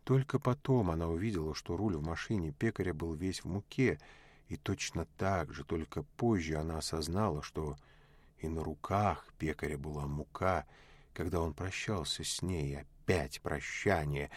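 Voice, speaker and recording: A man narrating a literary audiobook in a measured, unhurried way. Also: very deep voice, no echo.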